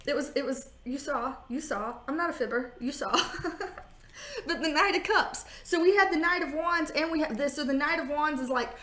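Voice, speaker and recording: A woman's voice: sits high, normal speed, fairly bright tone. A woman giving a casual tarot reading on video, sassy and joking, often laughing. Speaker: tarot reader. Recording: roomy echo.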